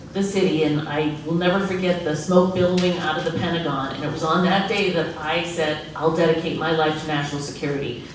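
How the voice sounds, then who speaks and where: A woman's voice: sits low, far from the mic, slight background noise. A woman giving a determined closing statement as a congressional candidate, with a few restarts. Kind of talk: campaign forum closing statement. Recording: echoey hall, mic heard from afar.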